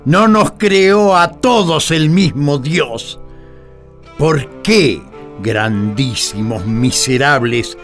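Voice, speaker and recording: A man's voice: fairly high pitch, very slow, a bit bright, soft background music. A man playing an indignant prophet who denounces priests in a religious radio play, declamatory and sarcastic.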